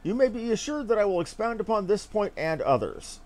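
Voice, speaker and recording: A man's voice: high-pitched, sing-song, a little fast, a little mellow, pitched above the performer's own voice. A man voicing an earnest, self-assured young noble diplomat from a fantasy game, speaking in formal, archaic and declamatory language. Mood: confident, measured. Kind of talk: theatrical read-aloud of fantasy game dialogue.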